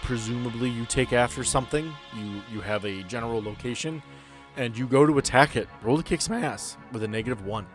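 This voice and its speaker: A man's voice: medium pitch, a little fast. A man narrating a tabletop roleplaying game as game master, explaining things in a conversational way. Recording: music behind. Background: background music.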